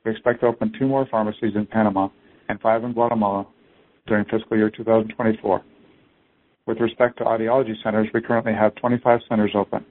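A man's voice: on the low side, flat delivery, fast talker. A man reading a scripted business presentation as a company executive on an earnings conference call. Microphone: conference call phone line. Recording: narrow tinny phone-line audio.

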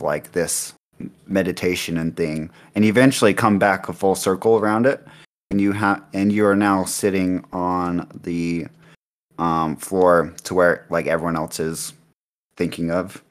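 Casting: low-pitched male GM, improvised rambling narration, lots of filler. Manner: rambling, full of ums and likes. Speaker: game master. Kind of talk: improvised tabletop game narration.

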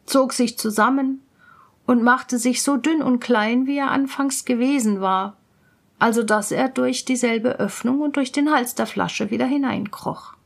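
Slow, calm woman reading a fairy tale. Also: fairly high pitch, vocal fry. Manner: slow, calm, even storytelling. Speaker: storyteller.

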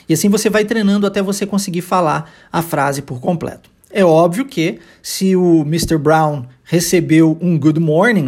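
Teaching an English lesson, a man speaks in a high-pitched voice with a Brazilian Portuguese accent. He is patient in his explanations and says phrases slowly for the students to repeat.

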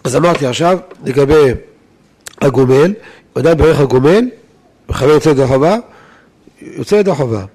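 A rabbi teaching Jewish law in a weekly lesson to a live audience, talking in a lively way, firing rhetorical questions at his listeners and breaking off to restart words. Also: mid-range voice, long pauses.

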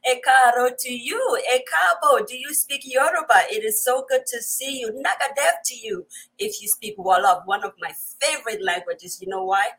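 A woman's voice: high voice, expressive, moderate pace, a bit bright, slightly rough, low-quality recording. A woman chats to viewers as host of a live online show, effusive and often repeating her phrases. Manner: effusive, repeats phrases, greets in many languages. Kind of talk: chatty livestream greeting of viewers.

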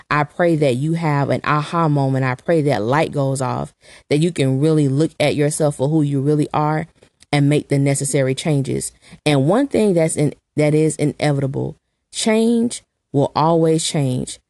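A woman hosting her own podcast, talking in an earnest, encouraging way with a naturally raspy voice made deeper and rougher by a coming cold. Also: darkish tone, no echo, clean studio sound. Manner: earnest, preachy encouragement with prayers. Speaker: podcast host. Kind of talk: motivational solo podcast talk.

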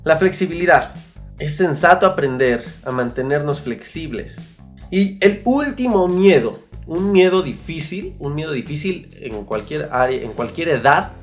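A podcast host with a Mexican accent speaks in a motivational monologue, coaching the listener, repeating key phrases and using colloquial slang. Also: medium pitch.

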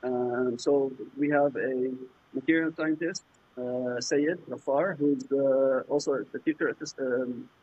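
A man from Jordan whose first language is Arabic, answering interview questions in a halting way, with many fillers and restarts. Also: mid-range voice, fairly even intonation, a little mellow, breathy edge, dry recording. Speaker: startup founder, guest. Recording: muffled lo-fi remote audio.

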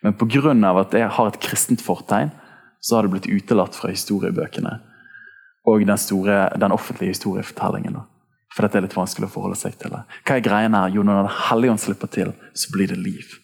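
Gravelly, casual preaching man. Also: fairly low pitch. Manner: casual, energetic preaching with slang. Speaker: pastor. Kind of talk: sermon.

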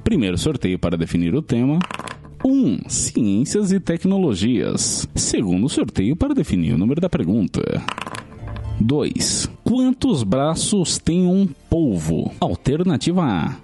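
A man hosting a quiz game, reading out questions slowly and joking with the contestant. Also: medium pitch, wildly swooping pitch, warm tone, faint music behind. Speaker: quiz show host.

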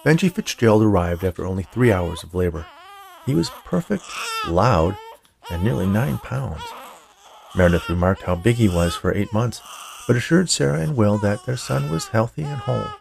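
A man's voice: fairly low pitch, animated, moderate pace, creaky, crowd noise. A man reading a scripted short story in the manner of an audiobook narrator. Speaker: writer, narrator and producer of a fiction podcast.

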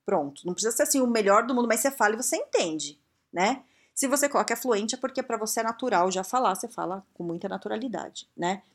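Blunt, lively Brazilian woman giving advice. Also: a little high, quick pace. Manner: blunt, frank and emphatic, with many rhetorical questions. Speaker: career and English-learning advice speaker. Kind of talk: casual direct-to-viewer advice talk.

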